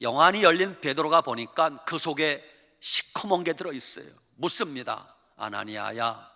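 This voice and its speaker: A male pastor giving a Sunday sermon, telling stories with lively acted-out voices, sometimes booming and sometimes hushed. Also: moderate pace. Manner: animated storytelling, acting out voices of people in the stories; swings from loud exclaiming to hushed murmuring. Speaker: senior pastor. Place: church sanctuary. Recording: reverberant church sanctuary.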